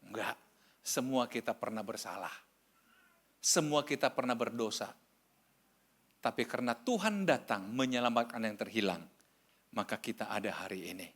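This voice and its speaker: A male pastor in his sixties from Indonesia, preaching a sermon, moving from loud emphatic exhortation to quiet personal confession. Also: fairly low pitch, normal speed, pauses often, breathy edge. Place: church hall.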